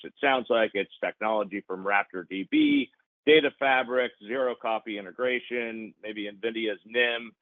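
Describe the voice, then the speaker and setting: A man's voice: on the low side, no room sound. A man asking a question as an analyst on an earnings call. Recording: dry, narrow phone line.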